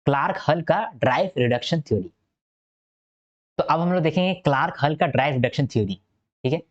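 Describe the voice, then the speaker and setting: A man's voice: a little high, expressive, fairly quick, dull audio. A male teacher giving a recorded exam-prep lecture. He explains step by step, repeats key points and keeps checking that listeners follow.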